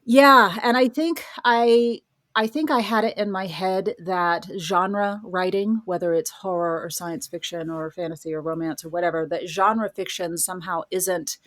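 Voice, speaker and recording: A woman's voice: on the low side, fairly even intonation, normal speed, fairly bright tone, no room sound. A middle-aged woman telling her own story in a casual interview, articulate and self-deprecating. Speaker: podcast guest, horror writer and college professor.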